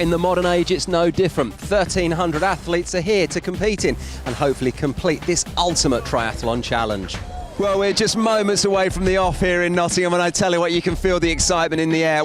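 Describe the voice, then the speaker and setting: A man presenting a sports event in an upbeat, scripted style. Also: high-pitched.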